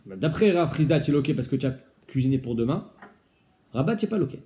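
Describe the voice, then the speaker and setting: A man teaching a casual Talmud study lesson, explaining with lively questions and mixing in Hebrew and Aramaic terms. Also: mid-range voice, fast talker.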